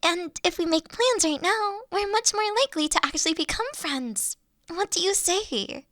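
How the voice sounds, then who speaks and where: A woman's voice: very high-pitched, lively intonation, moderate pace, fairly bright tone, dry recording, studio quality. A woman playing an eager, anxious young college dragon in a roleplay audio drama, gushing and rambling, stammering when flustered. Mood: eager, friendly.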